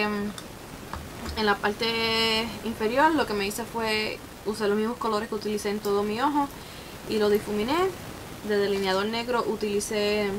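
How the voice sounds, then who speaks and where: Slow-talking woman makeup vlogger. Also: mid-range voice, background noise. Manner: excitable, mixes Spanish with English exclamations. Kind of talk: casual makeup tutorial chat.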